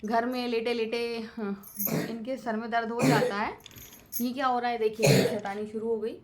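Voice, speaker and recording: A woman in her thirties chats through a family vlog, wandering from topic to topic with plenty of fillers. Her voice sits a little high. She sounds easy and homely, as if talking to regular viewers. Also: little pitch movement, normal speed, a loud crowd. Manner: chatty, rambling with many fillers. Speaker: vlogger. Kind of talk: casual family vlog talk.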